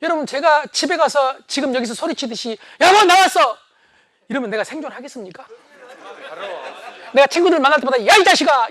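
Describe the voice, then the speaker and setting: A middle-aged man giving a humorous leadership lecture, animated and often shouting for emphasis. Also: very high voice.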